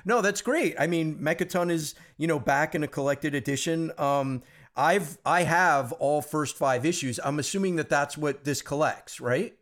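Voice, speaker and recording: A man hosting a podcast, slightly hoarse, chatting in an upbeat, rambling way. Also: fairly high pitch, normal speed, fairly bright tone. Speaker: podcast host. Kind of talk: casual podcast interview.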